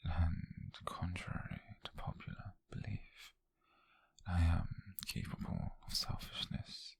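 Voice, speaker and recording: A man voicing a tender, flirtatious witch on a date in an ASMR roleplay, with a British accent and a soft, breathy, gravelly whisper. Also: low-pitched, level tone, dry recording, exaggerated voice. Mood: flirtatious, intimate. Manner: soft, intimate, slow and hesitant.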